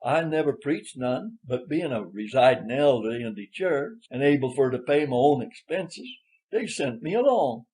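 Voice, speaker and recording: A male narrator puts on an elderly Southern storybook character, proud and loyal. The voice jumps up high and speaks out emphatically in a folksy rural dialect, full of earnestness. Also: expressive, moderate pace, a little mellow, lightly acted. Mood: earnest explaining. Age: older. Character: elderly Southern man, former plantation servant, proud and loyal.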